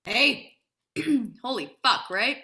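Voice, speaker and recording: A woman's voice: fairly high pitch, expressive, very slow, sharp tone, full character voice. A woman playing an indignant, proud young male grad student with cutting sarcasm in a dramatic table read. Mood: stunned.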